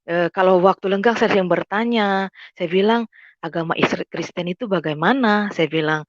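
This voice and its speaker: A woman recounts a personal testimony in a hesitant, halting way, pausing on fillers as she retells old conversations. Her voice sits low for a woman and sounds dry and a little dull, like a lo-fi recording. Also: dry recording. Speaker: testimony speaker.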